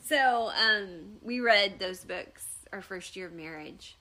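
A woman's voice: medium pitch, animated, slow pace, bright, forceful tone, poor audio. A woman co-hosting a podcast in casual chat, laughing easily and encouraging. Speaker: podcast co-host.

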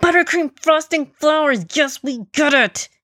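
A woman's voice: high voice, unhurried, pushed and bright, no echo, studio quality, pitched above the performer's own voice. A woman voicing an impatient, sarcastic, pushy female crocodile in a children's story. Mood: irritated. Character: impatient snappish mother-to-be crocodile.

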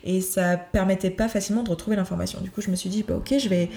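Mellow-voiced woman, echoey room. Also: medium pitch, steady tone, quick pace. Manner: earnest, hesitant, many fillers and restarts. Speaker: podcast host, certified coach. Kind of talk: solo podcast talk.

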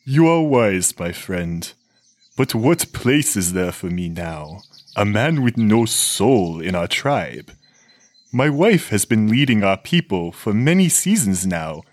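A weary tribal warrior, voiced by a man asks quiet, heavy questions about his place in life. His pitch rises and falls widely even in sorrow. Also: dry recording, heavily acted. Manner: subdued, heavy, searching.

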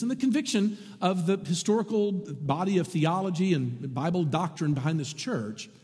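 A man preaching a sermon to his congregation, lively and animated, with wry asides. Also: on the high side, husky, in a large hall. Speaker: pastor.

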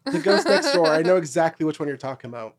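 Podcast woman, swears a lot, really animated up and down voice. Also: deep voice, fast talker, crowd noise. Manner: expressive, swearing. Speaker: podcast guest. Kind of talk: casual chat.

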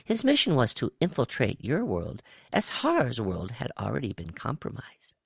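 A man's voice: mid-range voice, huge pitch swings, normal speed, gravelly, fairly bright tone, breathy edge, no room sound, studio quality, voice pushed up, heavily acted. A man voicing a reptilian alien spy in an audiobook story, with a lilting, nonchalant manner. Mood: explanatory. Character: high-pitched reptilian alien spy, casual, sly intelligence officer.

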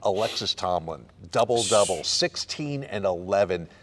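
A man's voice: low voice, lively intonation, moderate pace. A man hosting a sports radio show, interviewing a coach and recapping recent games.

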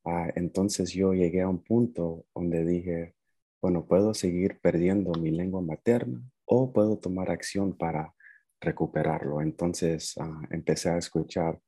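A young man from Nicaragua, raised partly in the United States, talking casually as a podcast guest and often pausing to find his words. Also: deep voice, fairly even intonation, dark tone, breathy edge. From Nicaragua, moved to the United States at seven. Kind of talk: casual conversational storytelling.

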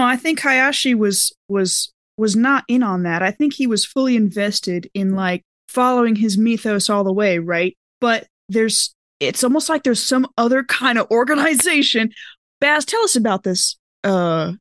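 A woman playing a tabletop role-playing game, chatting casually and in an animated, interjecting way. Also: on the high side, moderate pace, no echo, clean studio sound. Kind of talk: casual improvised in-character game chat.

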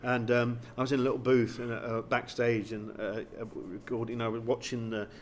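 A man's voice: mid-range voice, level tone, brisk, slight background noise. A man, a comedian chatting playfully and enthusiastically as an interview guest. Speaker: guest, comedian and pantomime actor. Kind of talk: animated interview chat with comic wordplay.

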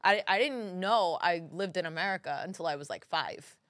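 A woman, telling stories in an animated, joking way as a studio guest. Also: on the low side, normal speed, dry recording. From Brooklyn, New York. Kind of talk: casual interview chat.

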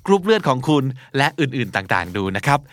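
A man's voice: medium pitch, big pitch swings, quick pace, no room sound. A man with a Thai accent, hosting a pronunciation lesson and spelling English words out letter by letter.

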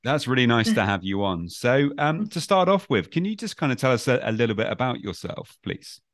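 A man's voice: medium pitch, sing-song, brisk, no room sound, clean studio sound. A man hosting a podcast, friendly and hesitant, with many uhs and restarts. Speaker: podcast host and coach. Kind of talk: podcast intro and interview.

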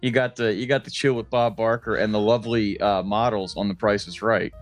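A man's voice: lowish voice, steady tone, brisk, dry recording. Casual man chatting, music behind. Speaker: podcast co-host. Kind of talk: casual comedy podcast chat.

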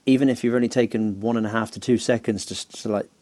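A man chatting casually on a podcast, easygoing and quick to agree and chuckle. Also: lowish voice, fairly even intonation, darkish tone, no room sound.

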